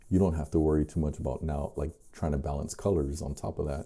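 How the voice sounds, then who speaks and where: Soft-spoken and calm, a man talks at a fairly quick pace in a very deep, low voice with a dark, mellow tone. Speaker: artist, drawing instructor. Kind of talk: casual talk to camera, art tutorial narration. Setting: studio, ASMR recording. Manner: soft-spoken, calm.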